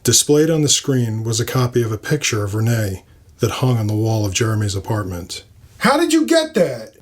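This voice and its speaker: A man's voice: lowish voice, steady tone, a little fast, a little mellow. A man reading scripted first-person fiction as the narrator of an audio story.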